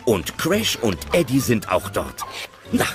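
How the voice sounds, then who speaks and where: A man's voice: on the low side, huge pitch swings, takes it slowly, over music. A man narrating an audio play in a chatty, wondering way.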